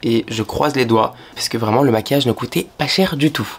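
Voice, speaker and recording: A man mumbles in a put-on character voice at a fairly quick pace, with ordinary pitch variation. Light background noise sits behind him. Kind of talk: casual, friendly vlogger. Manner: speaking with a mumbling, slurred articulation.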